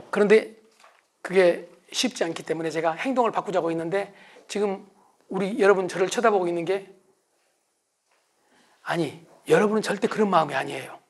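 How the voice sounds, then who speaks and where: A man's voice: high-pitched, normal speed, pauses often, slightly rough. A middle-aged man giving a motivational lecture to an audience, acting out quarrels in a raised voice. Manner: animated, acts out quarrels in raised voice.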